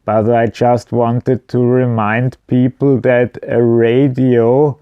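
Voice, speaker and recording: A man's voice: mid-range voice, flat delivery, slow, clear, resonant tone, no room sound, narrow, tinny audio. A man giving an informal product explanation at home, speaking in a hesitant, matter-of-fact way. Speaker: video presenter. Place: indoors at home.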